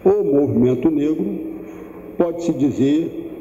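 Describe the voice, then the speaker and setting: A man in his seventies lectures slowly and thoughtfully in a voice that sits high yet sounds very dark and mellow. The sound is dull and lo-fi, with a long hall reverb around it. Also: animated. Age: 70s. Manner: unhurried, thoughtful, with pauses and restarts. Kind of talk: public lecture. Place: large lecture room.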